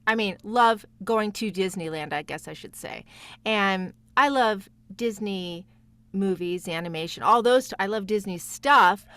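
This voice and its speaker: A woman's voice: mid-range voice, measured pace, fairly bright tone, clean tone, dry recording. Encouraging woman in a casual chat. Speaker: guest voice actor and playwright.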